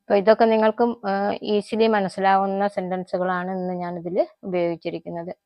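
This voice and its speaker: A woman with a Malayali accent, a native Malayalam speaker, teaching everyday Hindi phrases in a casual lesson, explaining them slowly and repeating each example. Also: lowish voice, level tone, dry recording, muffled recording. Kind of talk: casual spoken-language lesson.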